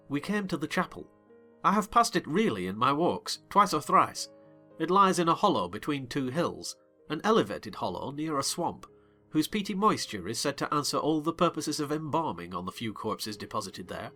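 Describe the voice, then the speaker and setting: A man as a wry, well-spoken gentleman narrator with a bright, clear voice. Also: mid-range voice. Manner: measured, wry literary narration. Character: genteel male narrator, wry gentleman tenant. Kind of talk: dramatized audiobook narration.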